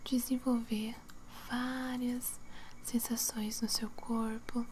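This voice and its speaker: A young adult woman whispering breathily in ASMR style, close to the mic, soothing and softly repeating words to relax the listener. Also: a little high, flat delivery, slow pace, a little hiss or hum. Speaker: ASMR video host. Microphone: close to the mic, face near camera.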